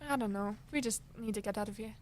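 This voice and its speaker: A woman's voice: mid-range voice, fast talker, lightly acted. A woman playing a naive, chatty, polite girl in a comic radio play, casual and wide-eyed. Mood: alarmed. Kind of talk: comedic audio drama acting.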